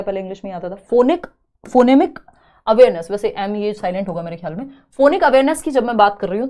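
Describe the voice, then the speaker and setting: A young woman teaching a live online exam-prep class, chatty and teasing, slowly spelling out word examples. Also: mid-range voice. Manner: chatty, teasing students between explanations.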